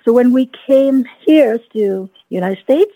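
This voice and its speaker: A woman in her fifties from Vietnam, a guest telling her story in an earnest, reflective way, often pausing with "you know.". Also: on the high side, lively intonation, breathy edge, no room sound, phone-quality sound. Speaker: guest, dentist and coach. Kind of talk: casual podcast interview.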